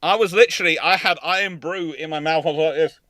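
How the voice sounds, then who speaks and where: A man's voice: fairly high pitch, fast talker, bright, forceful tone, no echo. A man hosting a casual live chat, telling stories in a rambling way. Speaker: live stream host.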